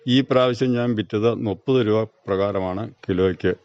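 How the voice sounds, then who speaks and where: Low-voiced older man, dull sound. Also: moderate pace, darkish tone, smooth, no echo. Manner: plain, brief, factual answers. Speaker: retired farmer being interviewed. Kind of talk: interview answers. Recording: dull, muffled radio recording.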